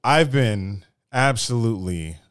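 A man co-hosting a casual sports podcast, animated and crude, talking to players as if they could hear him. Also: mid-range voice, slow, smooth, dry recording, studio quality. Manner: animated, crude slang, talks to players as if present. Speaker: podcast co-host.

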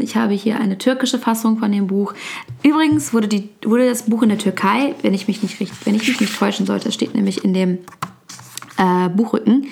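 A woman's voice: a little high, creaky. A young woman whose first language is Turkish, talking casually about a book with many fillers and restarts.

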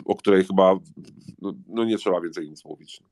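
A man's voice: deep voice, a little fast, a little mellow, no room sound. A man speaking casually and hesitantly in a discussion, his voice nasal and blocked up from a head cold. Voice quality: nasal, blocked-nose voice as if pinching nose. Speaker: guest speaker.

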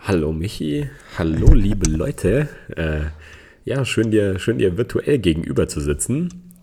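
A man's voice: low-pitched, sing-song, measured pace, warm tone, slightly rough. A man co-hosting a casual podcast from abroad on a borrowed microphone, talking hesitantly with many fillers and chuckles. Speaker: podcast co-host. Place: remote recording from abroad.

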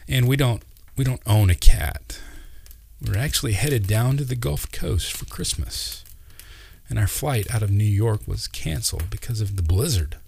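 A man's voice: lowish voice, animated, normal speed, gravelly, a little mellow, a little hiss or hum. A man voicing a polite grown son, explaining things earnestly.

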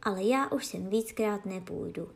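A woman's voice: mid-range voice, vocal fry, close to an everyday voice. A woman voicing a shy, honest peasant boy in a storybook reading, speaking earnest and bashful. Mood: sad.

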